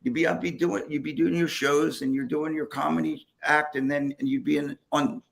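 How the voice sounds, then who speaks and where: A man. His voice has a rough, gravelly grain, and he talks in rambling bursts with plenty of restarts and easy chuckles. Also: fairly high pitch, steady tone, normal speed. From United States, Levittown area. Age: 60s. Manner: rambling, friendly, many restarts, chuckles often. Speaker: podcast host. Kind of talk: casual chat.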